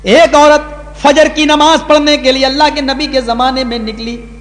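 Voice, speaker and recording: A male Islamic preacher giving a sermon to a gathering, telling stories with passion and rising high on key words. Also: level tone, fairly bright tone. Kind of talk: Urdu sermon with dramatic storytelling. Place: large hall, live gathering. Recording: echoey hall with long reverb.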